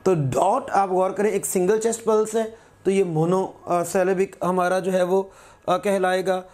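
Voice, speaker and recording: A male teacher giving a recorded grammar lesson, patiently repeating words slowly as examples. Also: high voice, fairly even intonation, darkish tone.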